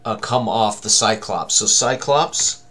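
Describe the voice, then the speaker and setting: A man's voice: lowish voice, slow, a bit bright. A man in his sixties giving a casual tabletop game tutorial, thinking aloud as he works through it. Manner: talks to himself, exclaims mildly.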